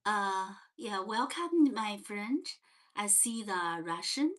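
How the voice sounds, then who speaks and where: Slow-talking woman with a Chinese accent. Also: medium pitch, lively intonation. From China. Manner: slow and gentle, many fillers and restarts. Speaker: livestream host. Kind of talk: casual livestream chat. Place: parents' home.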